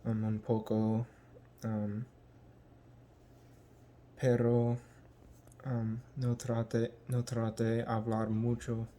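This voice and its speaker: A young American man from the United States, talking casually in a vlog and haltingly searching for words with many ums. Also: medium pitch, completely flat delivery, dark tone, a little hiss or hum. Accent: American English. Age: young adult. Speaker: language learner.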